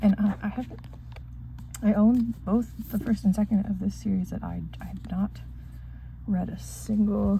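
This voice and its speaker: A soft-spoken woman at a moderate pace, with long, frequent pauses amid noticeable background noise. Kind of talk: soft-spoken ASMR book talk to camera. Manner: hesitant, unpolished one-take delivery.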